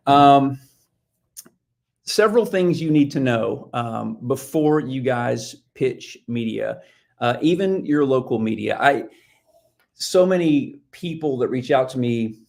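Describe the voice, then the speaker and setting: A man's voice: medium pitch, gravelly, darkish tone. A man who works as a book publicist, presenting casually as a guest expert on a live stream, with frequent ums and restarts. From Nashville-based. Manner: casual, filler-heavy, restarts.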